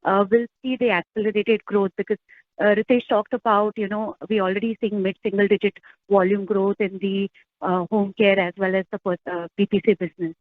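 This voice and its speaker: Thin phone-line sound, female analyst, mid pitch, hesitant questioning. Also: flat delivery, brisk, no echo. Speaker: financial analyst asking questions. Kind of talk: earnings call question, hesitant conversational. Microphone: phone call. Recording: tinny narrowband phone line.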